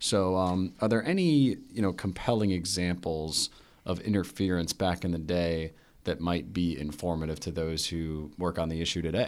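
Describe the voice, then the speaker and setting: A man speaks at a moderate pace with a very deep, low pitch and ordinary pitch variation. The recording is very clean and the background silent. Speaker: podcast host. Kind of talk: interview.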